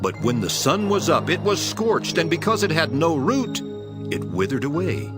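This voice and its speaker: Authoritative man teaching parables in scripture drama: solemn, deliberate preaching, very wide melodic swings, strong music underneath. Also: a little high, big pitch swings. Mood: proclaiming. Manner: declamatory, deliberate preaching delivery. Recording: prominent music behind the voice.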